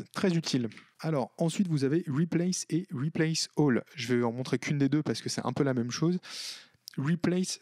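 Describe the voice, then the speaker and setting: Chatty man explaining software formulas. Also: mid-range voice, no echo, clean studio sound. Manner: casual, chatty, full of fillers and self-corrections. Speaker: tutorial host. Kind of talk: screen-recorded software tutorial.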